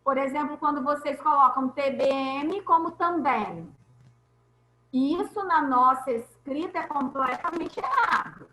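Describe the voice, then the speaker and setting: High-voiced woman teaching slowly. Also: lively intonation, bright, forceful tone, echoey room, poor audio. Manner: explains step by step, checks in with students. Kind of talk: online class lecture.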